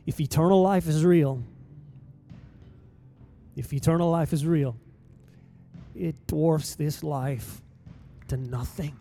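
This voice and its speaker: A man with a high, mellow voice preaches to his congregation in a church sanctuary. He drives his points home with emphatic stresses and long dramatic pauses, while soft music plays faintly behind him. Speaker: pastor. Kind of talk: sermon.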